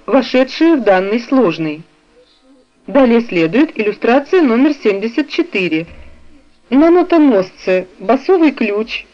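A woman reading a music theory textbook aloud in a slow, measured way, describing the notation on the page. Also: sits high. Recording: dull, lo-fi recording.

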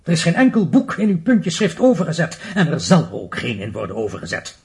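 Male director figure, middle-aged, radio play: stern, scornful, clipped, highly varied intonation. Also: wildly swooping pitch, brisk, vocal fry, heavily acted. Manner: pompous, clipped, commanding. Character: stern, haughty institute director, authoritarian and scornful. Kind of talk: Dutch radio play acting.

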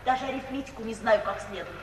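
An actress playing a brisk, self-assured, unsentimental young woman in a 1950s radio play, speaking decisively and matter-of-factly. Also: a little high, close to an everyday voice. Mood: brisk, frank. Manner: matter-of-fact, decisive, bluntly insistent. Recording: old hissy radio recording, roomy and distant.

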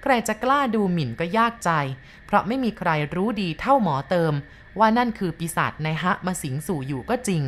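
A woman narrating a ghost story in a slow, measured way. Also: mid-range voice, lively intonation, slight background noise.

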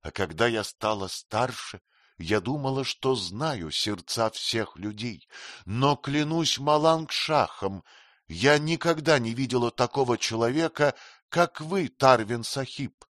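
A man's voice: medium pitch, expressive, a little slow, a bit bright, dry recording, clean studio sound, pitched above the performer's own voice. A man voicing a scheming young queen who speaks in a pleading, coquettish and intense way.

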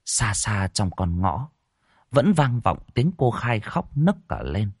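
A man narrating a horror story in an expressive, dramatic reading. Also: fairly low pitch, takes it slowly, slightly rough, no room sound, studio quality.

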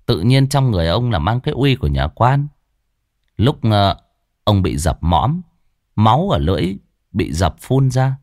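A man voicing a young male medium who explains and scolds in a measured way. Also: fairly low pitch, big pitch swings, a little mellow, dry recording, studio quality. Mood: explaining. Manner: measured, lecturing.

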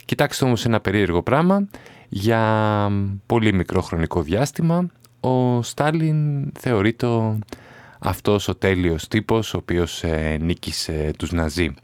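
A man hosting a music radio show, talking casually with many pauses and fillers. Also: on the low side, smooth, no echo. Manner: relaxed, many hesitation fillers.

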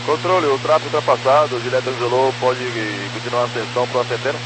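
A man's voice: medium pitch, fairly even intonation, fast talker. A man talking as an airline pilot over the radio, in clipped radio phraseology. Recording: noisy hissing radio transmission.

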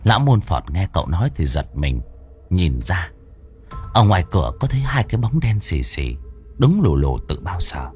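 A man narrating a ghost story in a dramatic, expressive way. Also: sits low, moderate pace, soft background music.

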